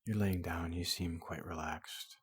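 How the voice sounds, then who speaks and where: A person softly voicing a large, gentle robot doctor in an ASMR roleplay, often whispering, speaking slowly and haltingly to reassure a patient. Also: low-pitched, fairly even intonation, husky, no echo. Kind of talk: soft-spoken ASMR roleplay.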